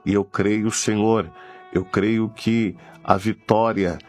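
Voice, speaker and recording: A man leading a fervent late-night prayer, slow and pleading, repeating his invocations. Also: lowish voice, steady tone, a little mellow. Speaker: prayer leader.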